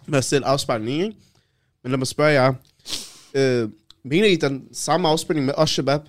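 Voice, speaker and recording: A young man in casual chat, curious and asking the group questions. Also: medium pitch.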